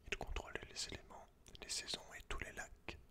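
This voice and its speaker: Whispering man doing ASMR. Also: moderate pace. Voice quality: breathy unvoiced whisper. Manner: informal, slangy, talks directly to one listener. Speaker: ASMR creator. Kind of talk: whispered ASMR, casual commentary and reading aloud from a book.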